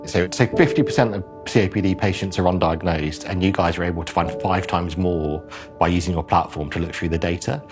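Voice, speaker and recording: A man's voice: low-pitched, steady tone, fairly quick, over music. A man chatting informally and enthusiastically in an interview. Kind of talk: conversational interview.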